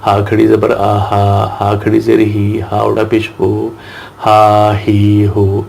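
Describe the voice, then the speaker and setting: Male Quran reading teacher, low and monotone, slow chanted letter drills. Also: creaky, slight background noise. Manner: recites Arabic verses slowly in a melodic chant. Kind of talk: slow drilled recitation lesson.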